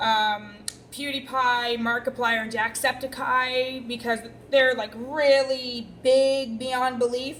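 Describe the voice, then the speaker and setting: Amid noticeable background noise, a woman speaks at a high pitch and very slow pace in a monotone, flat intonation. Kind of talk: casual talk to camera. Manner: hesitant, pausing and stuttering.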